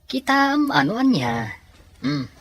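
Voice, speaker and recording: A woman voicing an easygoing, teasing young man in an Ilocano Filipino audio drama, with a husky voice. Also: mid-range voice, very animated, slow, slight background noise. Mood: concerned, casual.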